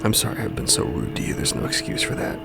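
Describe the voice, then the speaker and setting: A man voicing a wounded, earnest trans woman in a fiction podcast, halting and sighing as she confesses her self-doubt. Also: close to an everyday voice. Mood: apologetic. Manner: halting, sighing, breaking into hushed near-whispers. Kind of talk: emotional dramatic monologue in a narrated fiction podcast. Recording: loud music bed.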